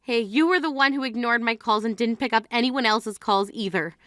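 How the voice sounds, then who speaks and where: A woman's voice: on the high side, brisk, sharp tone, dry recording. An actress playing a grieving sister who scolds her self-absorbed sibling in a blunt, exasperated way. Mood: reproachful. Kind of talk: scripted drama acting.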